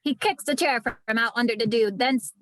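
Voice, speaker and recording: A woman's voice: on the high side, fairly quick, fairly bright tone, no echo. A woman reading scripted stage directions as narrator at a screenplay table read.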